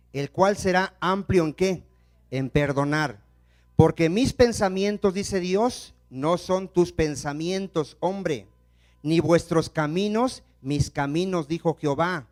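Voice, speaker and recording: A male pastor preaching a sermon, asking the congregation questions and letting them finish his sentences, moving between loud emphasis and hushed asides. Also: a little high, takes it slowly, soft background music. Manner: call-and-response questions to the congregation.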